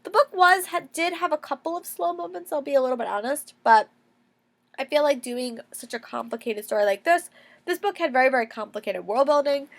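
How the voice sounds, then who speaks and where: Congested young woman with a cold, enthusiastic book vlogger, slightly high voice, repeats words for emphasis. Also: expressive, a little fast, vocal fry. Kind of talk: casual reading wrap-up vlog.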